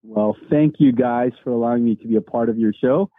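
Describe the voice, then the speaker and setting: A man's voice: mid-range voice, brisk, no echo. A Korean-born man, a senior pastor, telling his story earnestly as a guest, with many fillers and restarts, heard over a remote call. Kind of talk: casual storytelling interview. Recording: dry, tinny phone-like line.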